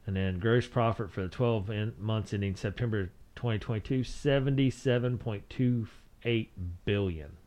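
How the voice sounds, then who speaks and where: A man's voice: on the low side, moderate pace, darkish tone. A man co-hosting a podcast with casual banter, sarcastic and mock-exasperated in manner. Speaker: podcast co-host.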